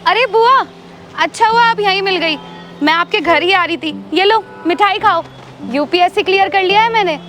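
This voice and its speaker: A woman's voice: very high-pitched, moderate pace, fairly bright tone, faint music behind. An actress playing a bold young woman who insists and schemes, in a web drama. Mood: excited. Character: young scheming woman, daughter-in-law or niece.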